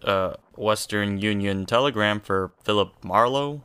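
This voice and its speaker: An awkward telegram messenger in a comedic radio play. His voice is smooth and clean. He speaks haltingly and politely, timid in every phrase. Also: fairly low pitch, bright, forceful tone. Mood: awkward, hesitant. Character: timid, awkward male telegram delivery bachelor. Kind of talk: comedic audio drama acting.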